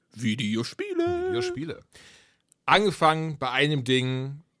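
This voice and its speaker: Animated in tone, a man talks at a fairly high pitch. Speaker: gaming podcast host. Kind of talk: casual chat. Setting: home recording, remote. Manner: animated, rambling.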